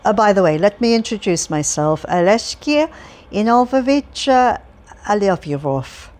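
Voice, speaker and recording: A woman's voice: mid-range voice, animated, measured pace, darkish tone, close to an everyday voice. A woman voicing a chatty cheerful old man. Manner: rambling, stumbling, relentlessly upbeat. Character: cheerful chatty elderly man, tiresome and friendly. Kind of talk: audiobook character reading.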